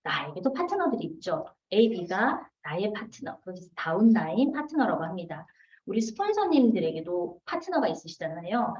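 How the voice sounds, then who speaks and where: A woman's voice: mid-range voice, very animated, moderate pace, a little mellow, recorded from a distance. Woman, forties, seminar lecture, questions and answers to the audience, dull lo-fi sound, roomy hall. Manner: asks the audience questions and answers them herself. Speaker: business seminar speaker.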